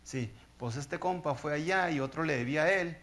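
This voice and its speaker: A man voicing eager gossips who tattle to the king in a slangy, excited way. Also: a little high, moderate pace, pitched above the performer's own voice, natural voice. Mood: gossipy. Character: gossiping eavesdroppers telling tales to a king.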